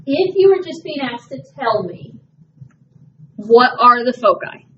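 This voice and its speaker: A woman teaching a math class, talking patiently through each step and reassuring students it is not magic. Her voice sits a little high. The recording is dull and lo-fi, with a faint hiss behind her. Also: expressive, unhurried, a bit bright. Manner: patient, reassuring, walks through steps aloud. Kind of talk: classroom lesson.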